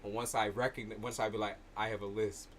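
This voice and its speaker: A man's voice: fairly low pitch, level tone, fast, fairly bright tone, slight background noise. A man with a slight lisp hosting a livestream, chatting loosely and swearing in casual banter. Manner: loose, profane, laughing banter. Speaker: tarot livestream host. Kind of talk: casual chat.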